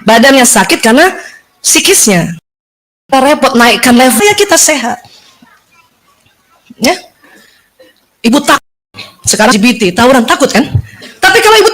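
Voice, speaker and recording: A woman giving a lively religious lecture to women, often asking her listeners questions. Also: high-pitched, rough recording.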